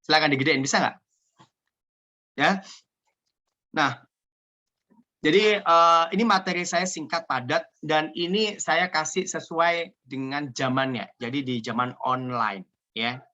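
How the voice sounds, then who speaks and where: A man from Indonesia giving an energetic, joking motivational business talk over a video call. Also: a little high, unhurried, pauses often. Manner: energetic, joking, repeats "ya" often. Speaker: seminar speaker.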